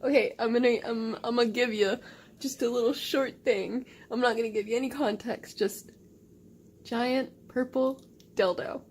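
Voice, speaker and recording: Young woman vlogging at home, kinda high voice, giggly and gushy, swears a lot, light hiss behind. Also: steady tone, normal speed, a little mellow. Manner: gushing, giggly, swears freely. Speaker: book vlogger. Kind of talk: casual chat.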